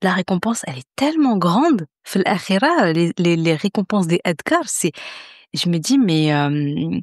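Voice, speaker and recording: A woman's voice: fairly low pitch, animated, a little slow, no room sound, studio quality. A woman hosting a podcast in a casual, conversational interview style. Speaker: podcast host.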